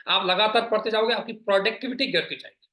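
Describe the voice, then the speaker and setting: A man's voice: sits high, fast, sharp tone. A man coaching exam students on strategy, talking straight to his viewers and coaxing them along with frequent check-ins. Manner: direct, coaxing, keeps checking in with listeners. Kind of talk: exam strategy advice talk. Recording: roomy echo.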